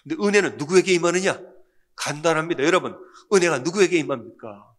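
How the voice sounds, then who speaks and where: A man preaching a Sunday sermon as pastor, asking the congregation questions and answering them himself. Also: quick pace. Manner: acts out quoted lines in a softer, lower voice.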